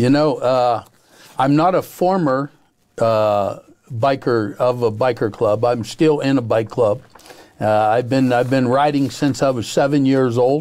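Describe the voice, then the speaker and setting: With an American accent and a plain, everyday voice, a man speaks at a fairly slow pace and medium pitch, with ordinary pitch variation and very even loudness. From US, North Dakota. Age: 60s. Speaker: social activist, charity founder. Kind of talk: TV interview. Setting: studio.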